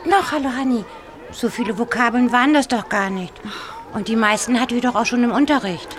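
A meek teenage schoolgirl, as a woman acts her in a radio play, slightly high in pitch and sheepish in manner. A busy schoolyard crowd murmurs clearly behind her. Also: brisk, natural voice. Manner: sheepish and pleading.

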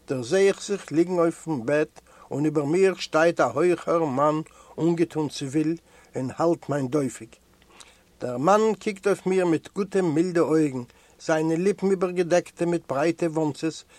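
A man's voice: on the high side, a little mellow, no echo. Man reading a memoir aloud. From Eastern Europe. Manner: measured first-person storytelling. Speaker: audiobook reader.

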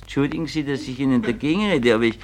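A man's voice: mid-range voice, rapid-fire, a little hiss or hum, lightly acted. A man voicing a pompous, stuttering male doctor.

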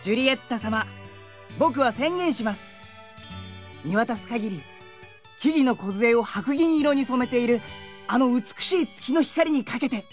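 A cheeky, upbeat teenage boy in an anime audio drama. The delivery swings widely in pitch, playful and theatrical, with music playing behind. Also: animated, measured pace, pauses often. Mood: playfully romantic. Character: cheerful, cocky, encouraging high school boy.

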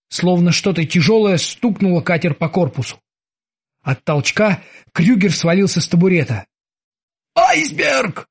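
A man narrating an audiobook in a lively, vivid reading. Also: on the high side, breathy edge.

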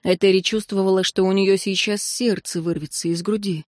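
A woman narrating a fantasy audiobook in a measured, expressive storytelling manner. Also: medium pitch, no room sound, clean studio sound.

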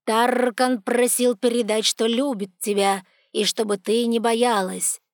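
A woman voicing a proud, sardonic male talking raven with a hoarse, croaking voice and a slow, cold, mocking manner. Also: on the high side, little pitch movement, no echo, clean studio sound, lightly acted. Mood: curt, aloof. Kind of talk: audiobook character voice.

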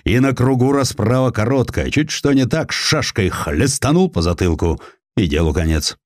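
A man's voice: mid-range voice, lively intonation, moderate pace, no echo, studio quality, pitched above the performer's own voice, natural voice. A man voicing a brash, free-spirited big Cossack with a bold, folksy way of talking, in an audiobook. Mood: folksy, assured. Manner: folksy, plain-spoken, bold. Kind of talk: acted dialogue in an audiobook.

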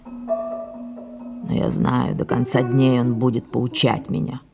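A woman playing an imperious, capricious aging actress in an audio drama, breathy and languid, slipping into whispers. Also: a bass voice, little pitch movement, slow pace, over loud music, exaggerated voice. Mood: wry musing. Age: older. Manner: languid and musing, then sharply commanding.

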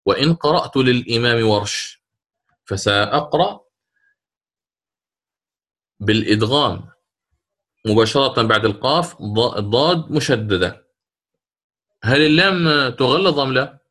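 A man's voice: mid-range voice, lively intonation, a little slow, long pauses, fairly bright tone. A man teaching a class on Quran recitation rules, questioning his students and explaining each rule step by step.

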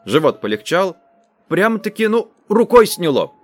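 A fussy, flattering peasant woman in her thirties, as a male reader puts her on, sweet-voiced and wheedling in a high singsong. Her voice swoops up and down as she gushes, with faint music behind it. It sounds like a storybook reading. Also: measured pace, full character voice. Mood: pleased.

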